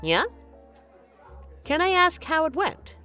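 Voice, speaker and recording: A woman's voice: high-pitched, very animated, takes it slowly, pushed and bright, faint music behind, a faint crowd, heavily acted. A woman playing a flirty, teasing but caring bartender in an intimate, conversational audio roleplay. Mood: curious, sympathetic. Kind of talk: intimate scripted roleplay, ASMR-like.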